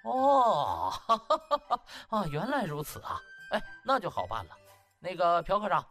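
A man's voice: sits high, wildly swooping pitch, normal speed, a bit bright, soft background music, exaggerated voice. A man voicing a smug, brash young male doctor who gloats and chuckles with fake friendliness in a comic audiobook. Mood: smug, mocking. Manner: gloating, chuckling, exaggerated exclamations. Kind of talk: comic audiobook character acting.

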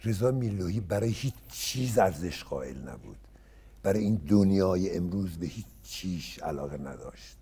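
An Iranian man in his seventies reminisces as a guest in a relaxed interview, bringing his stories to life by acting out other people's lines. His voice is very deep and dark, with a husky edge. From Iran. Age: 70s. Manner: animated storyteller who acts out others' words. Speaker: guest actor.

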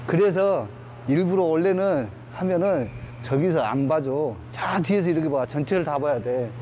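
A man's voice: on the high side, animated, moderate pace, dark tone. Male sports coach, informal explaining, plain-spoken and repetitive, recorded in a gym with faint noise. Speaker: badminton coach. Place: large indoor badminton gym.

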